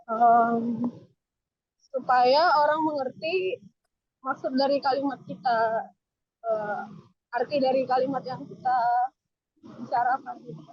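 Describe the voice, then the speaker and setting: A woman's voice: high-pitched, a little slow, pauses often, lo-fi sound. A woman participant answers a trainer's questions politely and briefly while riding as a passenger on the road.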